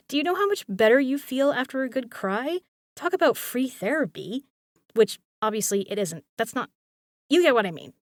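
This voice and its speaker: A woman's voice: mid-range voice, no room sound, lightly acted. Playful, bossy roommate played by a woman, close and dry. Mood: playful, reassuring. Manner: playful, emphatic, casually sweary, coaxing. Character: caring, bossy, teasing young woman roommate cheering up a friend. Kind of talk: intimate audio roleplay acting, casual and conversational.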